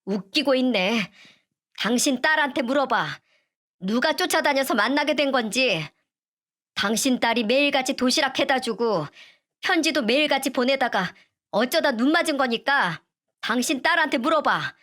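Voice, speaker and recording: A woman's voice: high-pitched, animated, moderate pace, fairly bright tone, pitched above the performer's own voice. A woman voicing a firm young lawyer son. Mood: contemptuous. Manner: firm, blunt.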